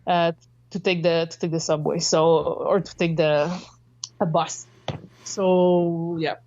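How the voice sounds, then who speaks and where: A young woman from Canada, chatting as a guest in a remote interview. She is animated, laughs often and acts out what people said. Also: on the low side, slow, lo-fi sound. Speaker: guest, traveling jiu-jitsu instructor.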